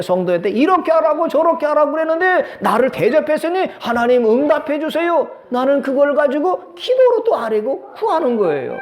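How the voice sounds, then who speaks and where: A man's voice: extremely high pitch, darkish tone, echoey room. A middle-aged male pastor preaching a sermon, often asking the congregation questions and waiting for their answer. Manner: preaching with call-and-response questions.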